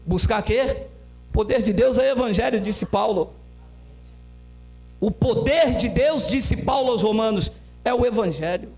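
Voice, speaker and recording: A man preaching a sermon as pastor, swelling into shouted climaxes. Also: high voice, measured pace, creaky, long pauses, faint music behind.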